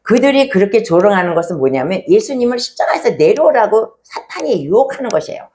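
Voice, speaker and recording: A woman's voice: medium pitch, very animated, fast talker, a little mellow, a little hiss or hum. A woman pastor delivering a sermon in a plain, mid-range voice. She tells the story conversationally and keeps asking the congregation rhetorical questions.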